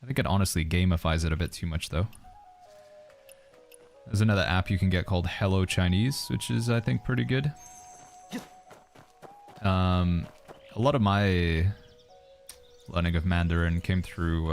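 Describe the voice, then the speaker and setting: A man streaming a game, reading viewer questions aloud and musing through his answers in a relaxed, casual way. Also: low voice, measured pace, vocal fry, pauses often, soft background music. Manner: relaxed, reads viewer questions aloud and muses with hedging asides. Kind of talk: casual livestream chat while playing.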